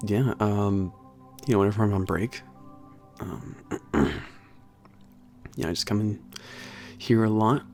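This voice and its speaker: A laid-back young werewolf trainer at a spaceport, acted by a man, speaks in a deep voice full of vocal fry. He is halting and informal, a little gruff, mumbling and trailing off as in an intimate ASMR roleplay. Soft music plays behind him. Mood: relaxed, nostalgic. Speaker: workplace trainer. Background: soft background music.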